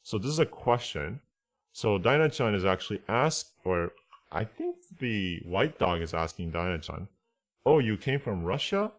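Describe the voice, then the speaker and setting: A man giving a casual online language lesson as the teacher, thinking aloud and often checking that listeners follow. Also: lowish voice.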